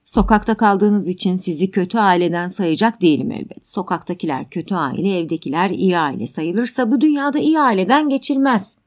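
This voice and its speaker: A woman reading as a middle-aged man in a spoken-word audiobook drama, calm and measured with a dry, mildly sardonic edge. The voice sits at an ordinary middle pitch, with no heavy disguise. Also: close to an everyday voice. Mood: reasoning, calm. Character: calm, reasoning middle-aged man drinking cognac at home.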